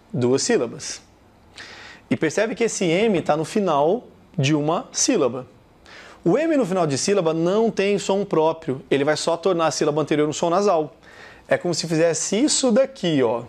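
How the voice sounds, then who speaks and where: A man's voice: a little high, a little mellow. A man with a Brazilian Portuguese accent teaching a lesson, emphatic and repeating each point, acting out little example sentences. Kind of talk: classroom lesson.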